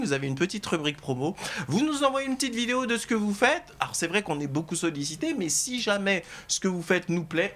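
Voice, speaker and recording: Animated, bright-voiced male TV host. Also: a little high. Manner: polite, encouraging, wordy. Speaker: talk show host. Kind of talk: TV talk show hosting, addressing guests and viewers. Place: TV studio.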